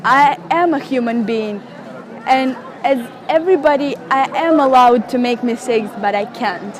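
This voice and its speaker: A young woman from Russia talks in English with a clear Russian accent, her voice pitched high. She speaks emotionally, with lots of fillers and restarts. The chat is recorded outdoors on a city street, with a faint crowd murmuring in the background. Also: a little slow. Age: young adult. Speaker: interviewee, model and blogger. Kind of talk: casual interview chat.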